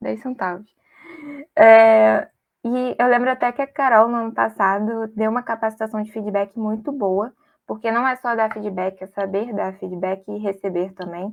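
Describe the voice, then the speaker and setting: A woman speaks at a moderate pace in an ordinary speaking voice. Her pitch is fairly high and her intonation fairly even. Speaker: former member of a student enterprise, invited speaker. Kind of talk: talk to a student group. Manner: casual.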